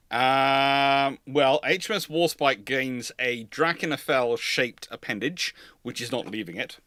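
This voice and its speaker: A man hosting a live question-and-answer chat, halting and repeating words as he reads and answers. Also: medium pitch, a bit bright, dry recording, clean studio sound. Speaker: host answering viewer questions. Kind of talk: live Q&A chat on naval history.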